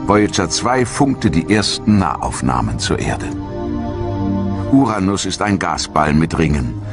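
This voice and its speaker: A man giving calm, measured, scripted narration for a science documentary. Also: low voice. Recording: studio narration over loud music.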